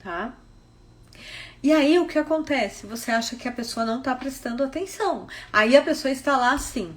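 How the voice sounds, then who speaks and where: A woman's voice: high-pitched, expressive, normal speed. A woman with a Brazilian Portuguese accent giving a live-streamed teaching talk on vocational guidance. She explains step by step and keeps checking in with her listeners. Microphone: phone on a social media live stream.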